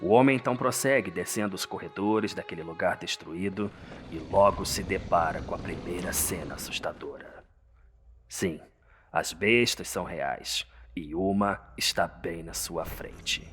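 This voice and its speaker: A Brazilian man with a fairly low voice tells a dark fantasy tale over soft music. His scripted delivery is dramatic and suspenseful, in the manner of an audio drama narrator. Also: a little slow. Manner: suspenseful, theatrical. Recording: music behind the voice.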